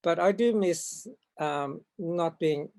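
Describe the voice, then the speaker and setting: A man in his seventies from Far North Queensland with an Australian accent, telling stories from his life in a hesitant, halting way over a video call from home. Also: on the high side, a little mellow. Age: 70s. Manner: hesitant, halting, with frequent ums and restarts. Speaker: guest artist. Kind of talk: reflective storytelling in an interview.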